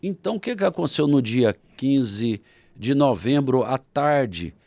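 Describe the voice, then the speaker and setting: A man with a Brazilian Portuguese accent tells history as an interview guest, his pitch rising and falling with animation. He acts out shouted quotes as he goes. The sound is dry and close to the mic. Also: lively intonation, a little slow, no room sound. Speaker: guest author. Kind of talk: storytelling in a podcast interview.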